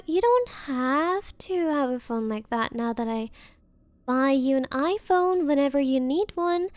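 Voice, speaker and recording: A woman playing a bratty, rich yandere girlfriend in an ASMR roleplay, talking down sweetly and possessively with teasing, drawn-out phrasing. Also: high voice, a little mellow, dry recording. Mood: teasing, amused. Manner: condescending, teasing, faux-sweet, drawn-out valley-girl phrasing. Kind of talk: ASMR roleplay, anime-style girlfriend audio.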